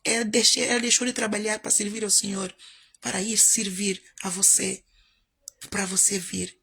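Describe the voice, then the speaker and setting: A woman's voice: medium pitch, level tone, normal speed, creaky, bright, forceful tone, breathy edge. A woman pastor preaching, telling a story and repeating her points with emphasis. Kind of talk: storytelling sermon.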